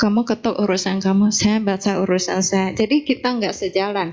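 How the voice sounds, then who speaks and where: Speaking with a Batam accent, a woman uses a medium pitch and fairly even intonation. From Batam, Indonesia. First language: Mandarin (speaking Indonesian). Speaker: Buddhist nun giving a dharma talk. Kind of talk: dharma talk with Q&A. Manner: conversational.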